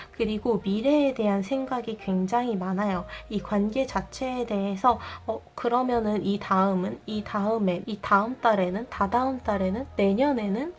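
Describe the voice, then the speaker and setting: Soft-spoken young woman reading tarot. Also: on the high side. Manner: calm, explanatory, polite formal speech. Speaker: tarot reader. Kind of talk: general tarot reading to viewers.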